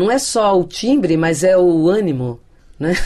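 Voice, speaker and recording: A woman speaks at a fairly slow pace with a fairly low pitch, a dark, mellow tone and lively intonation. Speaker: voice-over artist and radio announcer. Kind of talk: interview.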